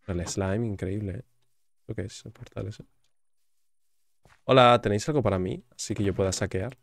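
Man, Spain Spanish accent, gaming commentary, lowish voice, dry close sound. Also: normal speed, creaky, no echo. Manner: chatty and joking, reads game text aloud. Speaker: gaming YouTuber.

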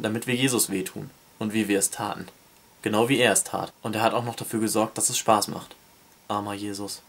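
Book reviewer, male, lowish voice, reads a novel excerpt aloud steadily.

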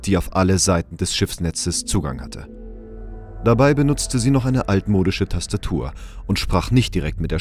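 A sober storyteller played by a man narrates a science fiction radio play. The voice sits low, and music plays along with the measured, scripted delivery. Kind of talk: scripted audio drama narration.

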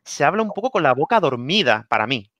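A man with a Spanish accent from Spain talks through language-learning advice in a relaxed interview. He is animated and repeats key phrases, checking in with "¿vale?". His voice is bright and forceful, recorded dry and close. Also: a little high, fast talker, dry recording. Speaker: guest giving language-learning tips. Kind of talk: casual online interview.

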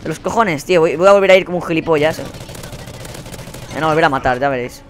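Speaking fast in a slightly high voice, a young man with a Spain Spanish accent hosts a gaming channel, ranting and cursing at other players mid-game. Faint gunfire from the game plays behind him.

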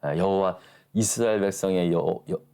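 A man's voice: low-pitched, steady tone, moderate pace, mellow, smooth. A man pastor leading a church Bible study, talking emphatically and asking the class rhetorical questions.

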